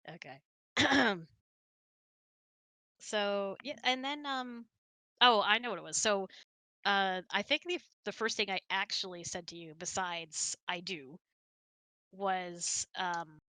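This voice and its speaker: A woman's voice: medium pitch, pushed and bright, dry recording. A woman hosting a casual hangout, telling stories and answering questions in a chatty, rambling, giggly way. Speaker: host of an online hangout.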